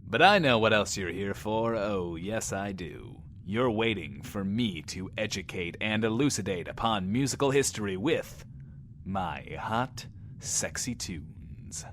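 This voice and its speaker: A man's voice: fairly low pitch, lively intonation, a little slow, a bit bright, slight background noise. An actor playing a brash, self-loving radio DJ in a post-apocalyptic audio drama, with theatrical, wry showman patter. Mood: wry, sly. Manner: smug, theatrical, wry, refers to himself by name. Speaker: radio host. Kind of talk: in-world radio show monologue, showman patter.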